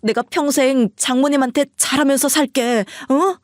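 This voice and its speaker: A desperate young husband pleads and whines for another chance, voiced by a woman. The voice sits fairly high and is recorded close and dry, like a storybook narration. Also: normal speed, no room sound, lightly acted. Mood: pleading. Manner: begging, whining.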